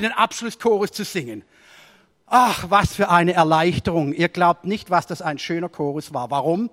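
A man preaching a sermon, telling a personal story and swinging between raised emphasis and quiet asides. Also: very high-pitched, big-room sound. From Germany.

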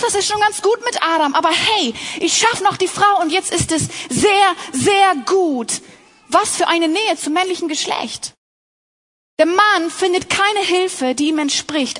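Her voice extremely high in pitch and fairly bright, a young adult woman delivers an earnest, personal sermon at a Christian talk. She addresses the women in her audience directly.

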